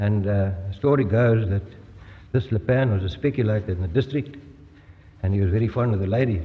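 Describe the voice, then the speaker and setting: In a plain, everyday voice, a man speaks at a fairly quick pace with a fairly low pitch, very even loudness and ordinary pitch variation. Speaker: guest. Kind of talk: lecture. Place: hall. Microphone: old recording.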